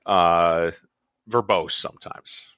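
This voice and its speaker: A man's voice: low voice, fairly even intonation, takes it slowly, a bit bright, clean tone, dry recording, studio quality. A man hosting a podcast interview, talking in a rambling, hesitant way with lots of restarts. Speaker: podcast host.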